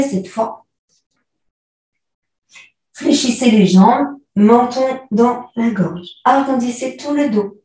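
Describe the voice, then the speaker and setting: A woman yoga teacher guiding a class through postures, calmly cueing breath and movement step by step. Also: on the high side, far from the mic. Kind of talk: guided yoga class instruction. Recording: echoey room, voice from afar.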